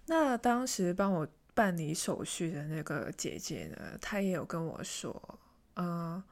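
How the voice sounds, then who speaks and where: A young woman from Hong Kong chats through a personal story in a casual, self-mocking way. Her voice sits a little low for a woman. Now and then she drops into a hushed, half-whispered aside. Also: sing-song, unhurried. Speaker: vlogger.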